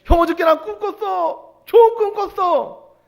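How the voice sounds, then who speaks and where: A man voicing an eager, boastful young dreamer in a retold story, with his voice pushed high and loud. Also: a little slow, creaky, full character voice. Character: excited young male dreamer, boastful and naive. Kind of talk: storytelling sermon.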